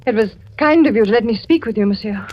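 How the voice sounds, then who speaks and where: An actress with an English accent playing a frightened young wife who pleads for protection in a 1940s radio drama. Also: female voice, fairly high pitch, fast, natural voice. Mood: pleading. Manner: anxious, pleading, breathless. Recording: dull old radio recording.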